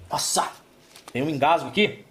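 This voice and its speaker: A man with a Brazilian accent preaching a sermon in an animated, colloquial, comic way, full of acted asides. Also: a little high, slight background noise. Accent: Brazilian Portuguese.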